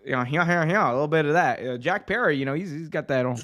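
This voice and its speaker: Animated man in casual wrestling talk. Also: a little high, quick pace. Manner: animated, breaks into mocking impressions. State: voice strained. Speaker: podcast co-host.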